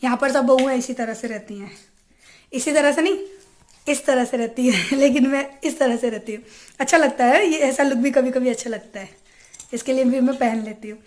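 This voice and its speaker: A woman's voice: high voice, a little fast, a little mellow. A young woman from India chatting casually to viewers about her household routine in a home vlog. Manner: chatty, addresses viewers directly. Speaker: family vlogger.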